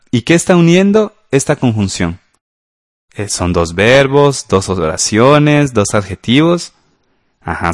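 A man's voice: mid-range voice, dry recording, clean studio sound. A man teaching a grammar lesson for radio class, patiently walking through exercises step by step.

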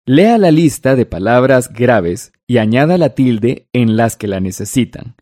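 A man's voice: mid-range voice, big pitch swings, unhurried, darkish tone, no room sound, clean studio sound. A man co-teaching a language lesson on a broadcast, reading examples and explaining them.

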